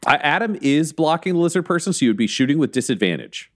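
Animated playful game master man. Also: a little high, fast. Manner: playful, laughs often. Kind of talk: narrating a tabletop game.

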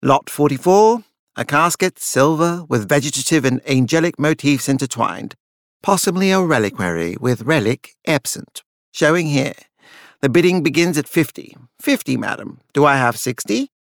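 A man's voice: a little high, lively intonation, normal speed, gravelly, no room sound, studio quality. A man voicing a formal, unflappable Victorian auctioneer in a gothic audiobook, calling lots and bids in a clipped manner. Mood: brisk, formal.

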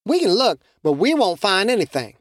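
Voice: medium pitch, big pitch swings, normal speed, dry recording, voice pushed up, lightly acted. A narrator voicing a skeptical young woman student who is blunt, sarcastic and swears freely, in a dry, close recording. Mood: reasoning.

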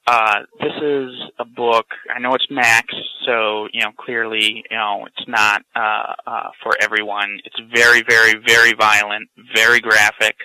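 Bright-voiced male podcast co-host. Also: lowish voice, flat delivery, measured pace, few pauses, no echo, low-quality recording. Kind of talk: casual podcast chat.

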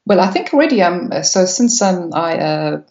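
Woman guest from South Africa, gravelly voice, flat delivery, many ums, echoey lo-fi room. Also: on the low side, moderate pace. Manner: hesitant, many fillers, enthusiastic. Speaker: podcast guest. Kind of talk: technical interview answers. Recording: echoey room, dull lo-fi sound.

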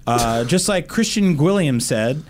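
A man's voice: fairly high pitch, expressive, unhurried, a little hiss or hum. A man hosting a podcast, chatting casually with a group. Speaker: podcast host.

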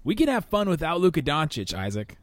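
A man's voice: a little high, sing-song, brisk, dry recording. Male podcast host, close dry sound. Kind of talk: casual sports podcast banter.

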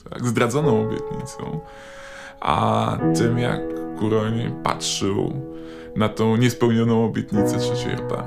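A man giving reflective commentary deliberately, building points through rhetorical repetition. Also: mid-range voice, gravelly. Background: plucked guitar music.

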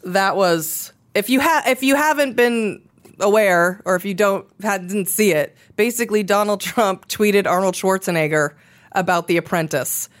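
A woman's voice: medium pitch, normal speed. A woman co-hosting a comedic podcast, laughing often and reading tweets aloud. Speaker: podcast co-host. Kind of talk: casual comedic chat.

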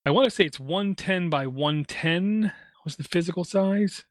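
A man's voice: sits high, normal speed, no room sound, clean studio sound. A man talking casually about hardware as a podcast co-host, enthusiastic and fond of homespun comparisons. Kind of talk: casual tech chat.

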